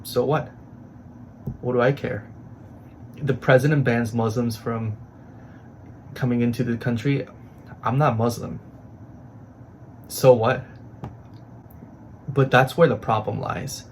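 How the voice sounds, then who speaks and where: A young man giving a scripted confessional monologue in short, halting phrases. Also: medium pitch, steady tone, darkish tone, a little hiss or hum.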